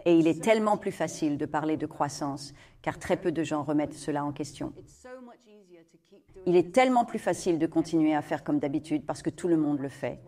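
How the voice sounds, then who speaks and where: A woman voicing the translated answers of an interview guest in an even, read-out manner. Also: deep voice, a little fast. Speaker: dubbed voice-over of the guest. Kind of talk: translated voice-over.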